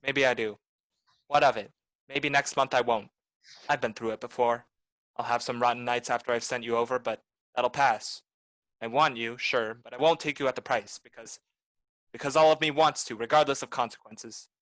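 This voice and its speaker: Man as a tough private eye, cynical, blunt, medium pitch, close dry recording, 1940s radio noir. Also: steady tone, moderate pace, fairly bright tone, no echo, natural voice, low-quality recording. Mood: bitter, resolute. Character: hard-boiled, cynical male private detective.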